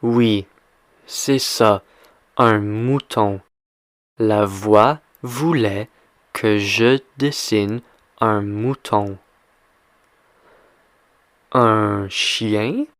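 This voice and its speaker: Male language teacher, extremely slow and deliberate, smooth resonant voice, dry close sound, drills questions. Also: lowish voice, dry recording. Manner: deliberate, repeats and quizzes the listener. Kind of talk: slow question-and-answer reading lesson.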